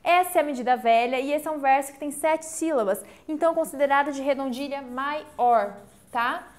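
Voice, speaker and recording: A woman teacher, giving an online literature lesson, explaining step by step and often checking in with the class. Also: high voice. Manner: explains step by step, counts syllables slowly aloud; checks in with frequent "tá?".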